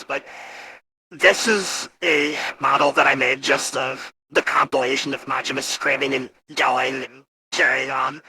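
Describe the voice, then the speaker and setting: A man casually walking through software, his voice turned gritty and grating by an AI voice changer. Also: mid-range voice, slight background noise, low-quality recording. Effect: AI voice changer with screamy character model. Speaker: host demonstrating voice models. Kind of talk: casual live software walkthrough.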